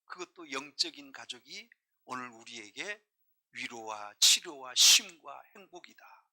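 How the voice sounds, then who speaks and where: A male pastor preaching a sermon, emphatic and full of questions to the congregation, often dropping to a hush and then rising again. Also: medium pitch, lively intonation, unhurried. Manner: emphatic preaching, questioning the congregation, swinging between loud and hushed.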